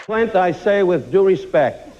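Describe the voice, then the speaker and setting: A man's voice: high-pitched, expressive, measured pace, lo-fi sound, heavy background noise. An older man delivering a roast speech, full of teasing, mock-sincere put-downs. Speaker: roast speaker.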